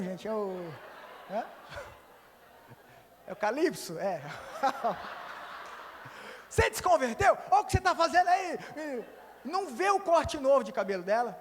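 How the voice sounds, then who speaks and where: A pastor with a notably high voice preaches in a lively, joking, emphatic way. His sermon rings out in a church, with a long reverb trailing his words. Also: slight background noise.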